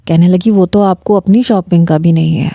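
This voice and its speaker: Dark-voiced woman narrating a story. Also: lowish voice, no echo, lo-fi sound. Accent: Pakistani Urdu. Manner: reads a first-person romance, voicing a young man and his fiancée in the same voice. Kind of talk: scripted narration.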